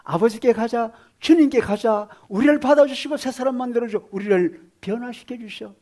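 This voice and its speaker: A male pastor with a fairly high voice preaches a sermon at normal speed. He keeps putting questions to the congregation and swings between loud exclamations and hushed whispers.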